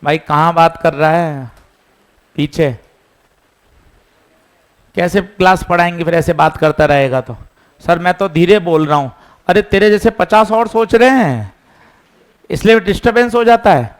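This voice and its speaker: Male physics teacher, slightly high voice, slow, patient drilling, repeats steps. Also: clear, resonant tone. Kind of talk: classroom lesson.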